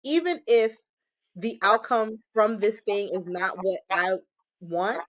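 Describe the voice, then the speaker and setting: A woman guest giving an animated, emphatic faith testimony, exhorting listeners and laughing often. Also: medium pitch, slow pace, no echo. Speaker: podcast guest. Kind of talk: casual testimony-style faith talk.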